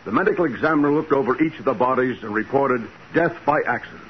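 A man's voice: mid-range voice, fast, natural voice. An actor playing a blunt, dismissive policeman with a familiar manner in a 1940s radio crime drama. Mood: dismissive, exasperated. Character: matter-of-fact, dismissive male police officer. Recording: muffled, hissy 1940s radio recording.

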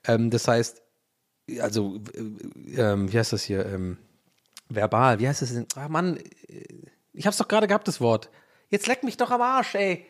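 A Dublin man in his thirties hosts his podcast in an animated, medium-pitched voice, talking a little slowly. A native English speaker, he keeps the chat loose and self-mocking, with many fillers, restarts and playful swearing.

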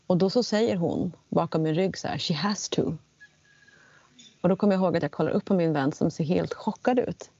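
Gravelly woman telling a story. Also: fairly low pitch, few pauses, no echo, highs cut off. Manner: animated, acts out quotes in English. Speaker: guest telling a personal story. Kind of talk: casual storytelling in conversation.

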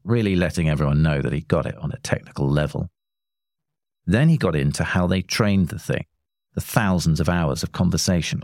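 A very low-voiced man reads a story with a dry, wry edge. The sound is close and dead, with no room in it. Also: a little mellow, no echo. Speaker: narrator reading a short story. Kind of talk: scripted narration.

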